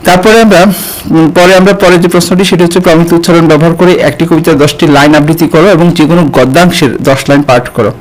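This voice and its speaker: A man teaching an exam-prep lesson and speaking straight to his students, pausing often with hesitations. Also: a little high, steady tone, poor audio. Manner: addresses students directly, frequent hesitations. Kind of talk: online exam-prep tutorial.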